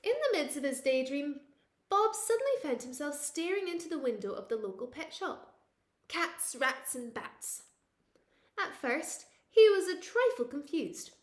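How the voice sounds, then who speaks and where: A woman reads a children's picture book aloud like a teacher at storytime, expressive and playful. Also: high voice, unhurried, echoey room. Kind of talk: animated children's storytime reading.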